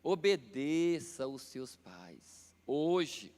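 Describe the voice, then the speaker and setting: A middle-aged Brazilian man preaching a sermon as pastor, emphatic and repeating phrases slowly for stress. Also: medium pitch, sing-song, darkish tone, in a large hall. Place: church hall.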